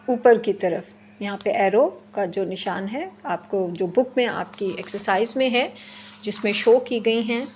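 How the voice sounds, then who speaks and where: A woman teacher giving a slow, deliberate classroom lecture, explaining in English and then again in Hindi-Urdu. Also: a little high, darkish tone, a little hiss or hum. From Pakistan.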